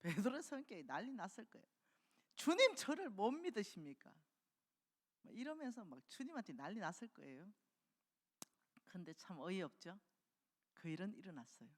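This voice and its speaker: A woman delivers a revival sermon, retelling a story and voicing its characters with animated energy. Her voice sits a little low, and it rings out with a long reverb across a church hall. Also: a little fast. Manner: animated storytelling, acting out quoted dialogue. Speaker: preacher. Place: church sanctuary.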